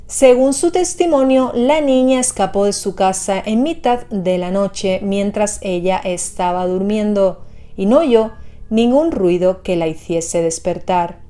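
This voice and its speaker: Female narrator, mellow tone, mid pitch, measured scripted horror storytelling over music. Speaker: narrator of a horror explainer channel. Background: background music.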